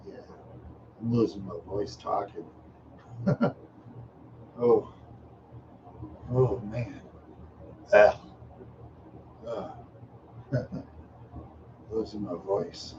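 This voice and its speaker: An older man drifts through a slow, repetitive livestream chat, tired and a little unwell. He often trails off into soft chuckles. The sound is dull and lo-fi, with a faint hiss underneath. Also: lowish voice, creaky. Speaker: livestream host. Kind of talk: rambling casual livestream chat. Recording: dull lo-fi stream audio with faint noise.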